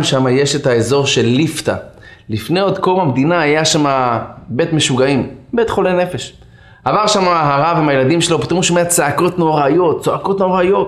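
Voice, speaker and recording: A man telling a story in a religious talk, animated and acting out the characters. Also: mid-range voice, echoey room. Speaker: religious speaker.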